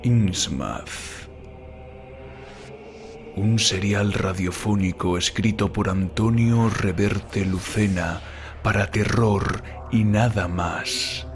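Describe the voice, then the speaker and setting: A man's voice: fairly low pitch, a little mellow. A man announcing radio serial credits in a scripted style.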